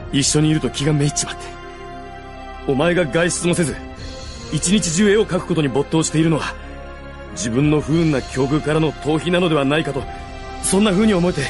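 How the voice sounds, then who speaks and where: An actor playing a gruff, proud undead warrior and brooding older brother in a Japanese radio drama. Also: male voice, a little high, close to an everyday voice. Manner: brooding, rough-spoken, heartfelt.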